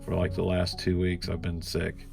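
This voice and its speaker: A man's voice: deep voice, monotone, normal speed, gravelly, music in the background. A man reviewing a collectible figure in a laid-back, rambling way, sounding congested from a cold. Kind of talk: casual unboxing review.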